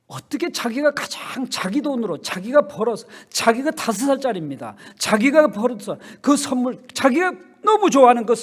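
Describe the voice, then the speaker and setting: A male pastor giving a sermon, telling a story softly and then rising into loud, emphatic appeals. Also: high-pitched, breathy edge.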